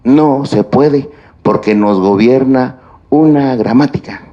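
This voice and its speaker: A man giving a university lecture on grammar, speaking deliberately and listing points one by one. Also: medium pitch, muffled recording. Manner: slow, deliberate delivery with stretched pauses and lists. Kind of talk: classroom lecture on grammar and writing.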